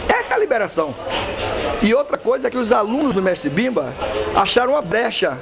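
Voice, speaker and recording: A man's voice: very high-pitched, sing-song, brisk, gravelly, music in the background. A man who teaches capoeira, speaking in a casual interview, emphatic and blunt, swearing freely. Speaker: capoeira master. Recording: street traffic noise behind.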